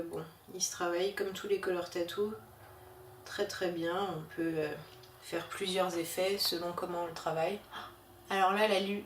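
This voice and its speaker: Chatty woman vlogger, casual and halting, recorded a bit far off in an echoey room with faint hiss. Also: fairly low pitch. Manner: chatty, hesitant with many fillers. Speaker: beauty vlogger. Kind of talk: casual haul video chat.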